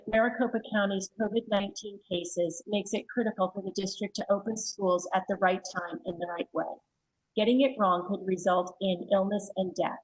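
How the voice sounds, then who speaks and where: A woman reading written public comments aloud at a school board meeting, steady and plain, with a few hesitant asides. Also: medium pitch, breathy edge, low-quality recording.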